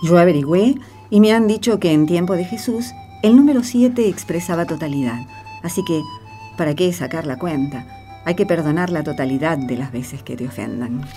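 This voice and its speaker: A woman's voice: low voice, expressive, moderate pace, mellow, faint music behind. A woman with an Argentine accent speaking in a conversational radio drama style. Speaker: cast member of a religious radio show.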